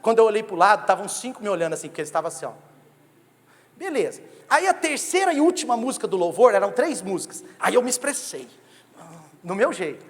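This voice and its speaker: High-voiced Brazilian pastor, animated and joking. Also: male voice, fast. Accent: Brazilian Portuguese. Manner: humorous, animated storytelling that jokes with the congregation. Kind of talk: sermon. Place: church sanctuary. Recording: long reverb of a church hall.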